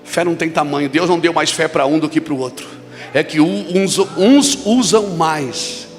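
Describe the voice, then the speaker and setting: A man preaching at a church conference, telling a story and then shouting emphatic declarations to the congregation. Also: fairly high pitch, moderate pace. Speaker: pastor. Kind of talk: sermon with storytelling. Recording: long reverb of a large hall with music.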